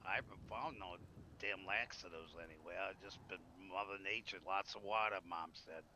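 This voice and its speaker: A man's voice: sits low, moderate pace, pushed and bright, rough recording. A man rambling in a folksy, casual way while playing along in a survival roleplay game. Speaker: player in a zombie survival roleplay stream. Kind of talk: casual in-character roleplay chat. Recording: faint background noise.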